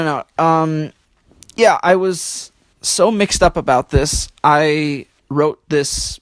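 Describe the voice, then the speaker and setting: Halting, reflective man with a dry close sound. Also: a little high, no room sound. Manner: halting, reflective, with quirky theatrical turns of phrase. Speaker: interview guest, poet. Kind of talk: conversational interview, personal storytelling.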